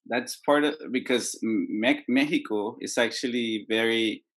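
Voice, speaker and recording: A man's voice: mid-range voice, measured pace, a bit bright. A man in casual conversation, speaking hesitantly with many fillers and a reflective tone.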